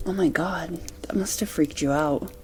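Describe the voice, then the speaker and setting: A woman playing a sympathetic partner in an amateur audio drama, speaking in a soft, soothing, caring manner. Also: low-pitched, normal speed, background noise, natural voice. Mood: tender, concerned. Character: caring, sympathetic female partner listening to her man. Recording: faint music under the voice.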